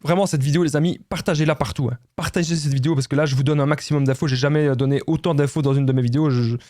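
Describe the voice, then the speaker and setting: A man's voice: fairly high pitch, fairly even intonation, rapid-fire, warm tone, no echo, studio quality. Insistent Belgian man giving advice. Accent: Belgian French. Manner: repetitive, insistent, addresses viewers as friends. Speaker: relationship advice youtuber. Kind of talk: direct-to-camera advice talk.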